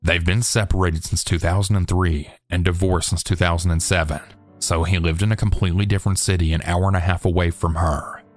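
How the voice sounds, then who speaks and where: A man reading a listener's true story aloud in a steady, measured storytelling voice. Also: low-pitched, soft background music. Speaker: narrator.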